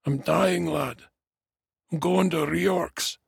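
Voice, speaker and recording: Gruff, croaky old dwarf. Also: male voice, on the high side, fairly even intonation, slow pace, no room sound, clean studio sound, pitched above the performer's own voice, exaggerated voice. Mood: weak, mournful. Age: older. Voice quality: weak, croaking. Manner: irritable, groaning self-pity. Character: gruff, feeble old male dwarf, irritable and dramatic.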